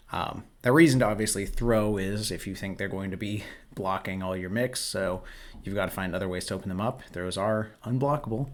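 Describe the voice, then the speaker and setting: Low, hoarse-voiced guy, laid-back coach talking over footage. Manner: relaxed, explanatory, coaching tone. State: hoarse, voice worn from yelling. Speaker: host. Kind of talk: casual commentary over gameplay footage.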